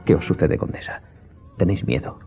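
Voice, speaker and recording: A man playing a courteous, curious young gentleman in a radio drama, speaking formally and earnestly. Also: a little fast, natural voice. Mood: curious, resolute. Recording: dull recording with background music.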